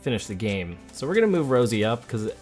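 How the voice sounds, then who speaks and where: A man giving relaxed, chatty gameplay commentary as a let's play host, thinking aloud as he goes. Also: mid-range voice, fast talker. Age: adult, parent of a school-age child. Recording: game music behind the voice. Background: video game music.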